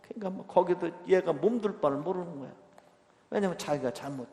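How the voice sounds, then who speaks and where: A man, a Catholic priest, giving a catechism retreat talk, moving between hushed near-whispers and loud, emotional storytelling. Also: high-pitched, brisk, vocal fry. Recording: echoey hall with long reverb.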